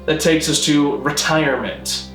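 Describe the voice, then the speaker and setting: A man narrating a scripted mock-documentary explainer in a formal, measured, deadpan manner. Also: fairly high pitch, roomy sound, faint music behind. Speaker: presenter of a constructed-language video.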